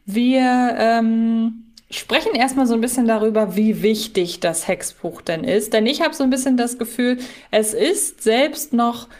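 Woman podcaster chatting casually, voice a bit on the high side. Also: measured pace, darkish tone. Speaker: podcast co-host. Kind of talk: casual fan podcast chat.

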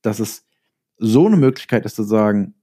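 A man's voice: fairly low pitch, expressive, moderate pace, dark tone, breathy edge. A man speaking as a guest in a casual interview, thinking aloud with repeated words and self-corrections.

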